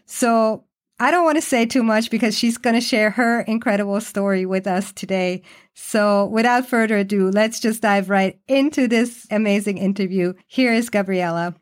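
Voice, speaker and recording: A woman's voice: mid-range voice, normal speed. A woman hosting a podcast in a bubbly, talkative way, introducing her show and her guest. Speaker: podcast host and coach.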